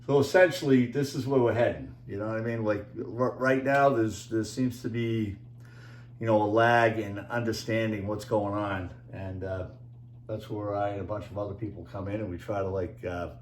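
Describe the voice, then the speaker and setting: A man with a Boston accent rambling through a casual monologue, halting often with fillers as he talks over slides. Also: fairly low pitch, steady tone, echoey room, slight background noise. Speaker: video creator and author.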